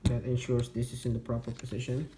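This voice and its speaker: A man slowly talking through a toy transformation step by step, muttering to himself as he works. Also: medium pitch, completely flat delivery. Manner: slow, step-by-step instructional talk, muttering to himself. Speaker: toy reviewer. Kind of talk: hands-on toy transformation demo. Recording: echoey room with background noise.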